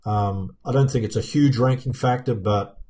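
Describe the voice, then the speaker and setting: Sitting at his desk in a home office full of plants and pictures, a man in his fifties answers live chat on his YouTube channel while a webcam frames him. His voice is mid-range and dark, with a moderate pace and a New Zealand accent softened by years in America. The Q&A is casual and full of fillers and restarts.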